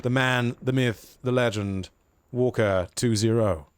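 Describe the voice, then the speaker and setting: A man with a hoarse, tiring voice, chatting casually as he comments on a shooter match. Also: medium pitch, a little slow. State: voice getting hoarse. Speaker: gameplay commentator.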